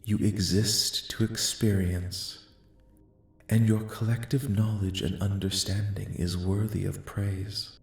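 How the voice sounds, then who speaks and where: A man playing a calm, benevolent alien envoy in a soft-spoken ASMR roleplay, speaking formally and solemnly in a measured, soothing way. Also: on the low side, vocal fry. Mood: calm, gracious. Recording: echoing, reverberant voice track.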